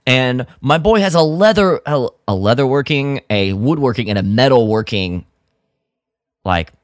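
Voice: medium pitch, expressive, moderate pace, no echo, clean studio sound. A podcast co-host chatting casually in a playful, slangy way. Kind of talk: casual chat.

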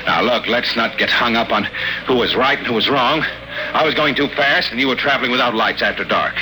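A man's voice: medium pitch, fairly quick, background noise, natural voice. An American actor playing a wisecracking, hard-boiled private detective in his thirties in 1950s radio style. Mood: casual, rattled. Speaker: actor and narrator in a radio drama. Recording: old radio recording with dramatic music.

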